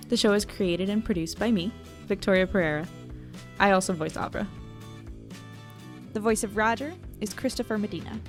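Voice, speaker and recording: A woman, the show's creator, reading scripted podcast credits. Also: on the high side. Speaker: show creator and producer.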